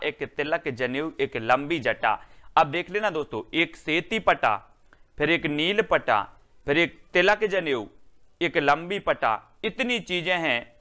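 Bright-voiced man teaching exam prep. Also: medium pitch. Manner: asks the class questions and answers them himself; recites verse lines slowly and measured.

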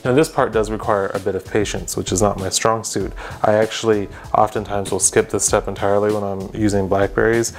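A young man with a lowish voice walks viewers through a recipe in his home kitchen. He speaks straight to the camera and slips in dry, deadpan jokes between the steps. Soft music plays faintly behind him. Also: fairly quick, hardly any pauses. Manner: deadpan joking asides to the viewer. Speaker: cooking show host. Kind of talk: scripted cooking demonstration.

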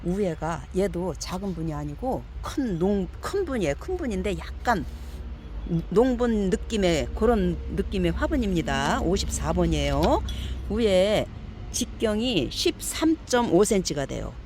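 A woman's voice: lowish voice, big pitch swings, a little slow, darkish tone, slight background noise. A woman selling succulent pots, chatting casually as she shows and measures them for viewers with a coaxing, repetitive manner. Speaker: succulent pot seller. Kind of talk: casual product showcase.

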